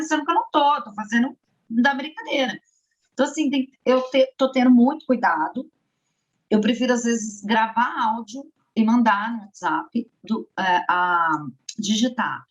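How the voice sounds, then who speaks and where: A woman in a casual study group discussion, talking in an expressive, chatty way. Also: fairly high pitch, highs cut off. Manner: expressive, self-described exaggerated, chatty.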